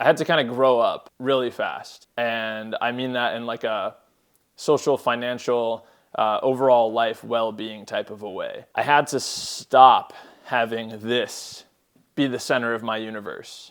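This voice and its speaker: A man speaks at a medium pitch and a fairly slow pace, with fairly even intonation. The recording is very clean, with a silent background. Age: 20s. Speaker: car YouTuber. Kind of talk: personal vlog update. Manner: halting, with repeated words.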